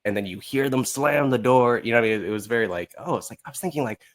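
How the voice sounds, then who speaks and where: A man chatting casually as an interview guest, telling his story in a candid, animated, self-deprecating way. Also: mid-range voice, fast. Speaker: podcast guest, musical writer.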